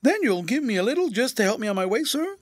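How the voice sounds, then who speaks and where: A man voicing a rough, blunt old ex-soldier turned beggar who whines and wheedles. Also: very high-pitched, sing-song, fast, dry recording, clean studio sound, pitched above the performer's own voice, exaggerated voice. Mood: whining. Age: older. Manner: rough, blunt talk turning to whining begging.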